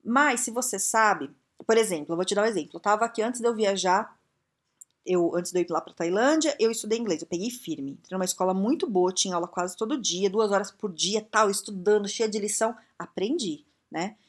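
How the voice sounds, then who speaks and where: A woman's voice: mid-range voice, fairly quick. A woman from Brazil giving frank, blunt career advice straight to the viewer, full of rhetorical questions. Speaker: career and English-learning advice speaker. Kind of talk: casual direct-to-viewer advice talk.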